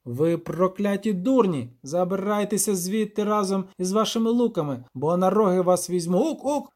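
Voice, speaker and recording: A man voicing a hot-tempered, goat-legged male forest devil who scolds loudly and bleats. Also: high-pitched, expressive, normal speed, voice pushed up. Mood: furious.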